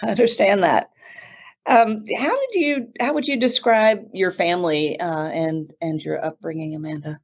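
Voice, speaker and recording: A woman hosting an interview podcast, reading a guest's introduction and asking relaxed questions. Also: lowish voice, moderate pace, husky. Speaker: podcast host.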